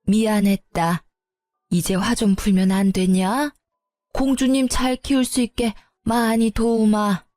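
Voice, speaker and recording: Old granny cooing at a baby, slow and drawn-out, soft mellow voice, dry sound, a woman puts her on. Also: medium pitch, no echo, lightly acted. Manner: coaxing, drawn-out baby talk. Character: older woman grandmother, remorseful and doting.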